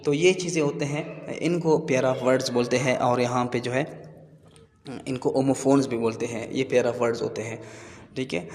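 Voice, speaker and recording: A man explaining English grammar terms in a slow, repetitive teaching manner. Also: mid-range voice, fairly even intonation, darkish tone. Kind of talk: classroom lesson explanation. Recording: echoey room with long reverb.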